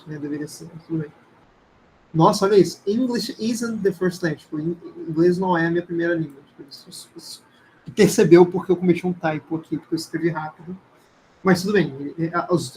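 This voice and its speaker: Higher-pitched Brazilian man teaching informally. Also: darkish tone, a little hiss or hum, poor audio. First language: Portuguese. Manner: conversational, hesitant, frequent tag questions. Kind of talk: informal live lecture with screen demonstration.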